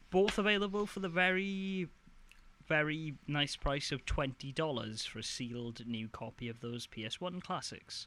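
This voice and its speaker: A man with a Welsh accent speaks at a fairly high pitch with a bright, sharp tone and lively intonation. His pace is moderate, and the recording is very clean with a silent background. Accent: Welsh lilt. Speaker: video game podcast host. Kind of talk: casual chat.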